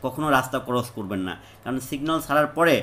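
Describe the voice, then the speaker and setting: A man talks against light background noise. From Bangladesh. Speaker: vlogger. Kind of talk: casual vlog narration; casual vlog chat. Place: street. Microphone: phone near.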